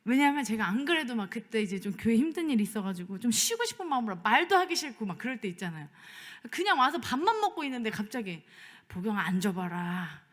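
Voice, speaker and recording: A woman pastor preaching a sermon with strong feeling, moving between a raised voice and a hushed whisper. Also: on the high side, big pitch swings, fast talker, few pauses. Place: church sanctuary. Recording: long church-hall reverb.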